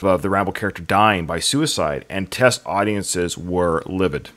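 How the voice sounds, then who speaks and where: A man's voice: low voice, moderate pace, fairly bright tone. A man hosting a podcast, chatting and joking as he rambles through film history. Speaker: podcast host. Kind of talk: casual podcast chat.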